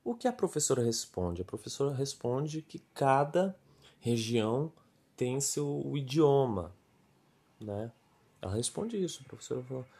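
A Brazilian man, a podcast host and Portuguese teacher, walks his students through a quiz at an easy, patient pace. His voice sits at an ordinary middle pitch, and he keeps checking in with his listeners as he goes. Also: big pitch swings, measured pace, dark tone, breathy edge. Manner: chatty and patient, leans on filler tags like "né" and "tá". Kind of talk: casual spoken lesson going over a quiz.

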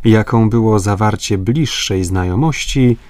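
A man reading an audiobook aloud in clear, expressive scripted narration on a close mic. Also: lowish voice, measured pace, slight background noise.

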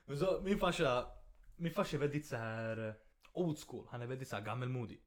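Lively young man telling stories. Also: medium pitch. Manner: animated storyteller, laughs often. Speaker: podcast host. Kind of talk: casual chat.

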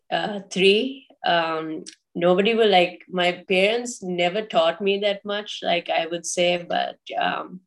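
A woman from Sri Lanka speaks as a guest on a podcast. Her voice sits low for a woman and barely moves in pitch. She hesitates often, filling gaps with ums and restarting her sentences. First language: English. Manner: hesitant, many fillers and restarts. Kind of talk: casual interview talk.

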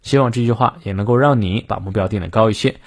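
A man hosting a daily English lesson, explaining a quote and modeling each word slowly with repetitions. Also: on the low side, no echo, studio quality. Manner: explains clearly, models words slowly and repeats them. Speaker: English teacher and podcast host.

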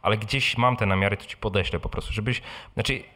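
A man with a lowish voice hosts a live question-and-answer talk. He speaks in a casual, conversational way and keeps checking in with short tag questions. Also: steady tone, quick pace, bright, forceful tone. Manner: informal, conversational, often adds tag questions. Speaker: blogger and podcast host answering audience questions. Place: live meeting in a room with an audience.

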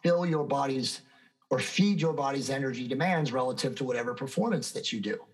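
A man's voice: mid-range voice, fairly quick, low-quality recording. Confident man in his fifties, a fitness guest who lectures emphatically, mid-range voice. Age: 50s. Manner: emphatic, self-assured, lecturing. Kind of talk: conversational interview answers.

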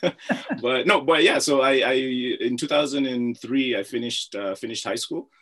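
A man's voice: medium pitch, moderate pace, a bit bright, slightly rough. A man from Zambia, a guest chatting casually in an interview, often repeating words and laughing easily.

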